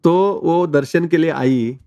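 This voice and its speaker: Earnest man with a mellow voice. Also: fairly high pitch, slow, clear, resonant tone, dry recording, dull audio. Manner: earnest storytelling, mixes in English words. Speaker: interview guest, devotee. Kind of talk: conversational personal testimony.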